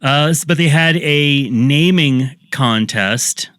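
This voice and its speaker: A man's voice: a little high, takes it slowly, fairly bright tone, dry recording, studio quality. A man hosting a podcast, telling a story in casual chat with jokey asides. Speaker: podcast host.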